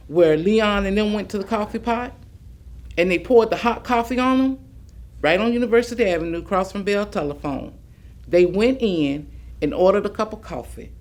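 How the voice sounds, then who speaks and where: A woman actor performing a defiant Black civil rights picketer's folksy, emphatic recollections, as a staged reading. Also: lowish voice. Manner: plainspoken, folksy, emphatic storytelling. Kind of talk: staged reading of oral history.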